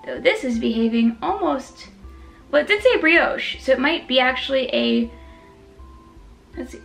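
A woman's voice: high voice, animated, measured pace, vocal fry, fairly bright tone, soft background music. A woman hosting a mukbang, chatting casually about desserts while chewing and tasting. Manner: chatty and self-deprecating, talks while chewing. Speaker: food vlogger.

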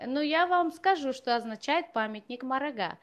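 A woman's voice: sits high, lively intonation, normal speed, highs cut off. A woman in her thirties hosting an argumentative live stream, insistent and exasperated, speaking into an earphone headset. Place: small indoor room at home. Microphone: wired earphone headset.

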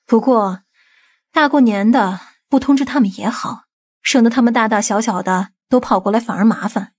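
A woman voicing a composed, decisive aunt in an audiobook drama, measured and matter-of-fact. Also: on the high side, darkish tone, slightly rough.

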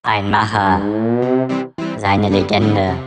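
A man's voice: on the low side, level tone, drawn-out words. A man voicing a solemn promo announcer in a parody advert. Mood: solemn, grand. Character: solemn male promo announcer hailing a legend. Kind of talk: slow dramatic book advert parody. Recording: voice under loud synth music.

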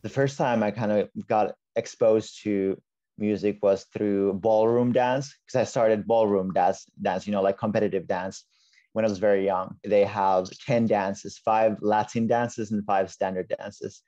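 Low dull-toned young Finnish man. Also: a little slow. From Finland. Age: 20s. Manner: relaxed, lots of like and you know. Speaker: guest. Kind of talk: casual interview chat. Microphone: earbud mic on a video call. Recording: dull lo-fi video call audio.

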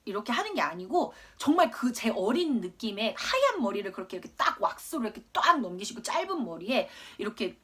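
A woman's voice: medium pitch, a bit bright, breathy edge. A woman in her twenties who grew up in Australia, telling a rambling, self-mocking story while teaching English. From Korea, raised in Australia. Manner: chatty, rambling, laughs at herself. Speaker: English tutor. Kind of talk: casual storytelling in a lesson video.

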